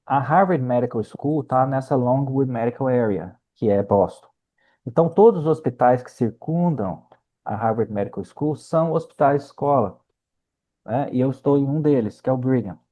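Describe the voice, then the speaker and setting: A man's voice: medium pitch, moderate pace, dark tone. A middle-aged Brazilian man from Minas Gerais, a researcher speaking as an interview guest, explaining through anecdotes with frequent check-in tags. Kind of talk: conversational interview storytelling.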